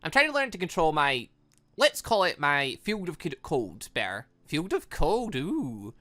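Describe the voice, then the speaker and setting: A man hosting a gaming video, thinking aloud and reading game dialogue in an excitable, animated way. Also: a little high, a little slow. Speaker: gaming channel host.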